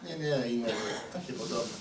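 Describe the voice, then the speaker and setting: A man's voice: medium pitch, a little slow, creaky, background noise. A man giving a chatty sermon who keeps asking the congregation questions. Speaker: preacher. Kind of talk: conversational sermon. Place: church hall. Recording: roomy hall, mic at a distance.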